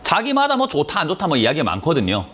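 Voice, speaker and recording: Man, sore throat, fast talker, lively pitch, blunt lecturing stock advisor. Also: husky. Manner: blunt, lecturing, fast-talking, emphatic rhetorical questions. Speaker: stock market advisor taking callers. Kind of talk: call-in stock consultation.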